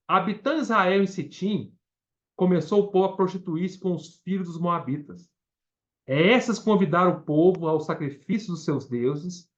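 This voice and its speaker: Man, Brazilian accent, Bible study sermon, animated, high voice. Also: dull audio. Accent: Brazilian Portuguese. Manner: animated, repeats words for emphasis. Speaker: preacher.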